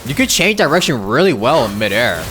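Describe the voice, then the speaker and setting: A man's voice: mid-range voice, sing-song, brisk, bright, forceful tone. A man livestreaming a game with casual, informal commentary, full of exclamations and muttered asides. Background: game music.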